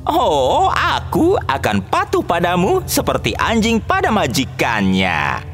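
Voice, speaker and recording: A woman voicing a young fox in a cartoon, speaking eagerly with a very lively pitch. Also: slow pace, faint music behind, exaggerated voice.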